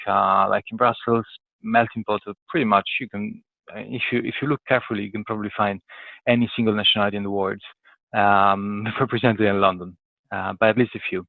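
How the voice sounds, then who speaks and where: A man's voice: on the low side, fairly even intonation, fairly quick, creaky, no echo. Italian man on a thin phone-like line. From Italy. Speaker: podcast guest, corporate professional. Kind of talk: conversational interview answers. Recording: thin phone-like call audio.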